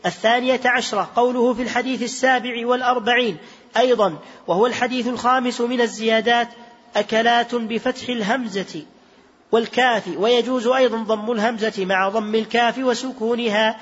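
A man reading a text aloud to his teacher in a steady recitation, correcting his own slips now and then. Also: very high voice, brisk. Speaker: student reader. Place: large mosque hall. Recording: reverberant hall, dull lo-fi sound.

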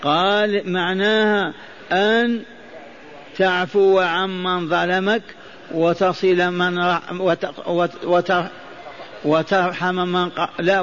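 A man with a high voice gives a Quran lesson, going over phrases again and asking his listeners questions. He chants the verses he quotes, and the recording sounds dull and lo-fi. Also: fairly bright tone. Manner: repeats phrases, stops to quiz listeners. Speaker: Quran teacher.

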